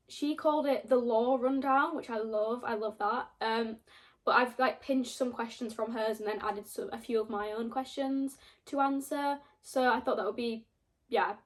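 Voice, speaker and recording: Young Yorkshire woman, casual talky vlogger, a touch high-pitched, lots of "like". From Yorkshire, England. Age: young adult. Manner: chatty, rambling, lots of "like". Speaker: book vlogger. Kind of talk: casual chat to camera.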